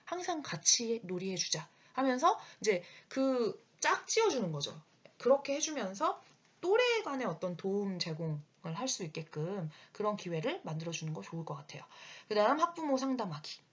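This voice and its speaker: Lively breathy woman lecturing on childcare. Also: medium pitch. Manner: lively, breaks into quick acted quotes of parents and children. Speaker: early childhood education instructor. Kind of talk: explanatory lecture.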